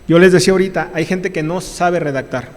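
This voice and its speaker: Mexican guy lawyer lecturing students, kinda high voice, big echoey hall, keeps restarting and stressing stuff. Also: brisk, darkish tone. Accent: Mexican Spanish. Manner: emphatic, repetitive, with many restarts. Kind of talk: university lecture.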